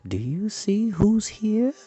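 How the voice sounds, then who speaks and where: A man voicing an excitable, theatrical male bard, a warm-hearted boaster with a gushing, exclaiming manner, for a storybook. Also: high voice, slow pace, slightly rough, no room sound, pitched above the performer's own voice, heavily acted. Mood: awed, confiding.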